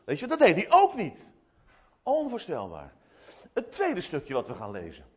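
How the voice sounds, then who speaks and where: A man giving an animated children's sermon in church, retelling a story with many restarts and asides. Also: high voice, moderate pace, slightly rough. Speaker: preacher speaking to children.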